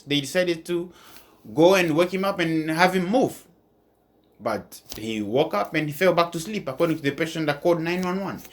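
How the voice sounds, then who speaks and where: A man hosting an online channel with informal news commentary, restating his points as he goes. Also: a little high.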